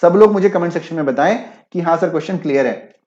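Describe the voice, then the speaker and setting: Higher-voiced teacher, echoey and dull. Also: male voice, fast talker, darkish tone. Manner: mixes Hindi with English, keeps checking if students follow. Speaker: online exam-prep teacher. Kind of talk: live-class explanation with chat replies.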